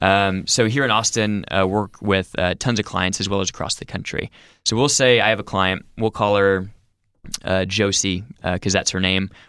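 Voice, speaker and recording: A man with an American accent, fairly low in pitch, with a bright, sharp tone and fairly even intonation, on a very clean recording with a silent background. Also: moderate pace. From Texas, rural (Yoakum). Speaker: financial advisor. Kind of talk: interview, casual advice.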